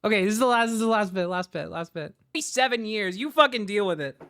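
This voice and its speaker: A woman's voice: medium pitch, lively intonation, fast talker, fairly bright tone, dry recording, studio quality. A woman streamer chatting casually and informally on a livestream.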